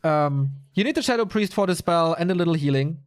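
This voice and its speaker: A man's voice: fairly high pitch, expressive, brisk. A man giving casual solo commentary on a live strategy game tournament, chatty and answering viewer chat as he goes. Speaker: esports commentator.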